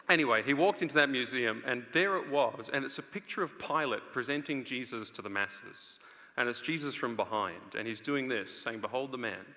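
A man in his thirties preaching a live sermon with earnest, rhetorical delivery and dramatic pauses. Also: medium pitch, sharp tone. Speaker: preacher and conference speaker. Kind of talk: live sermon to a large audience. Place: stage of a large indoor auditorium. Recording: long reverb of a large auditorium.

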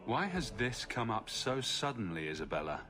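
A man's voice: mid-range voice, sing-song, moderate pace, bright, forceful tone, faint music behind. A man, an actor playing a composed, blunt adventurer in a fantasy game, asking direct, probing questions. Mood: firm, questioning. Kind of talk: game dialogue acting.

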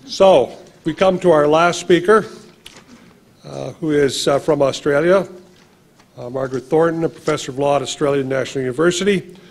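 A man's voice: a little high, moderate pace. A man moderating a panel, formally introducing the next speaker at a lectern microphone in a large hall. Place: large lecture hall, indoors.

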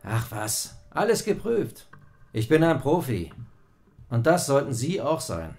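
An actor playing a cocky, self-assured agent on a covert job in an audio drama. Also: male voice, mid-range voice, very animated, measured pace, a little mellow. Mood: cocky, hushed.

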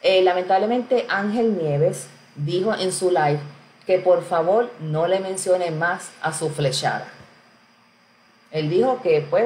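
A woman's voice: medium pitch, darkish tone. A woman hosting a live stream in casual chat, greeting viewers by name and answering their comments. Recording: roomy echo with faint background noise.

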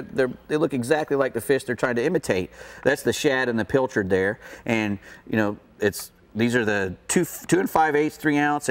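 A middle-aged man with a halting, folksy way of talking, presenting products casually as co-host of a fishing show. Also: mid-range voice. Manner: halting, folksy, repeats himself. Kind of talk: unscripted product showcase chat. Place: indoor TV studio set.

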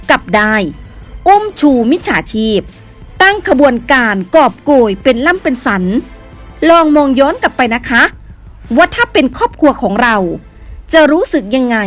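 A woman narrates news commentary in a high, lively voice, scornful and condemning. Faint music plays behind her.

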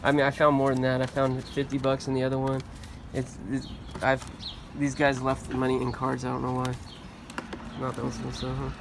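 A man's voice: medium pitch, monotone, fairly quick, gravelly, background noise. A man in his forties chatting casually and curiously as he sorts through boxes of old items outdoors, talking over what each might be worth. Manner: chatty, curious, appraising finds aloud. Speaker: storage locker reseller, channel host. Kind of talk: casual unboxing chat. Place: outdoors on a sunny trailer by storage units.

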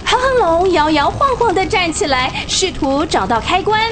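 A woman narrating a children's radio drama with expressive, vivid storytelling. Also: very high voice, normal speed, background noise.

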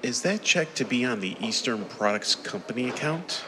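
A man's voice: medium pitch, expressive, normal speed, lightly acted. A man playing a courteous, deferential bank teller in a 1930s style radio drama. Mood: polite puzzlement. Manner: polite, deferential. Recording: long reverb, faint background noise.

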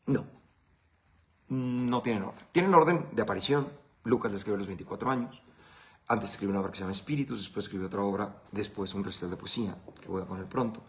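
A man's voice: on the low side, quick pace. A man with a Mexican Spanish accent hosting a casual live Q&A. He answers viewer questions in a blunt, profane, conversational way.

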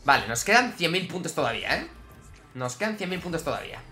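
A man with a Spain Spanish accent giving excitable gameplay commentary to his viewers, swinging from grumbling to yelling. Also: fairly high pitch, quick pace, soft background music. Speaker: gaming YouTuber.

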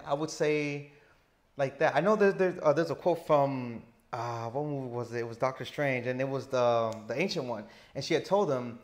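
A man in his thirties with a stutter, talking slowly and deliberately as an interview guest on a lapel mic indoors. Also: fairly high pitch. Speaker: interview guest, teacher living abroad. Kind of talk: casual interview. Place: indoor lounge with sofa.

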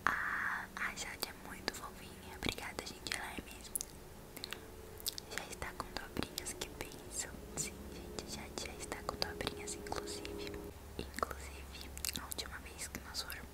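A woman's voice: unhurried, poor audio. A young woman with a São Paulo Brazilian accent speaks in an intimate ASMR whisper, casually answering viewers' questions close to the microphone in a small room. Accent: Brazilian, São Paulo state. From São Paulo state, Brazil. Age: young adult. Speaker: ASMR video creator and host. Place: small bedroom indoors. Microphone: large microphone right at the mouth.

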